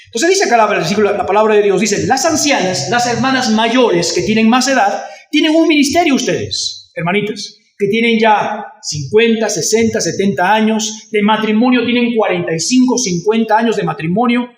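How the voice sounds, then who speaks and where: Recorded from far off in an echoing church, a Venezuelan-accented pastor delivers a sermon in an expressive, high voice at a moderate pace. He puts questions to the congregation and dramatizes anecdotes by imitating people shouting.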